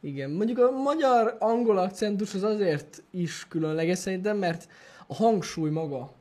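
Young male co-host, easygoing and agreeable, high-pitched voice. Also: lively intonation, darkish tone. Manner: agreeable, backs up the other host. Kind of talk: casual chat.

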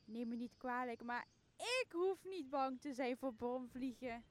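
A woman playing a muddled drunken buffoon in a comic radio play, halting and repeating words. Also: high voice. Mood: woozy, rueful. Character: muddled drunken buffoon, stammering and self-pitying. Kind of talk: comic radio drama acting.

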